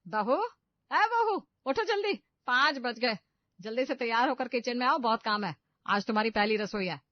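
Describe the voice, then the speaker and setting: A woman voicing a strict, shouting middle-aged mother-in-law who scolds loudly and sharply in a cartoon. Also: fairly high pitch, fairly even intonation, a little fast, dry recording, natural voice. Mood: scolding. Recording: dull lo-fi dry recording.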